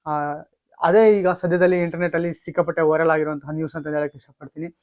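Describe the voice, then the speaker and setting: A man hosting a casual news update video, speaking haltingly with drawn-out hesitations and repeated stock phrases. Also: fairly high pitch, little pitch movement, a little mellow, dry recording. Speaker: YouTube channel host. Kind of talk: casual film and gaming news update to camera or mic.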